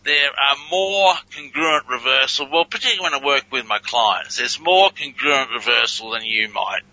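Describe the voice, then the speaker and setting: A man's voice: medium pitch, normal speed, pushed and bright. A man speaking as a guest in a radio interview, chatty and prone to chuckling and exclaiming. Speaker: guest, researcher of reversed speech. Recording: muffled lo-fi audio.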